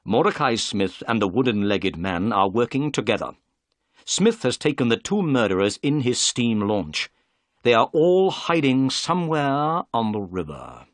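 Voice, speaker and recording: A man reading the lines of a calm, clever detective in a brisk, polite, measured way. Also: medium pitch, no echo, studio quality.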